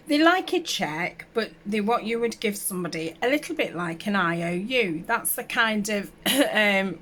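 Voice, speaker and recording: A sounding woman with a gravelly, slightly hoarse voice from a summer cold talks through a crafting project at her table. She rambles in a friendly, unpolished way, full of fillers and self-corrections, with a faint hiss under the home recording. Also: mid-range voice, fairly bright tone. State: sore throat from a summer cold. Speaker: craft channel host. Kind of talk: casual crafting tutorial.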